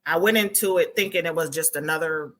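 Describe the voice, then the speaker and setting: A woman in her forties, a retired Army combat veteran and author, tells her story as a podcast guest in a conversational interview. Her voice is deep and brisk, and her reflective storytelling is full of fillers, restarts, and laughs.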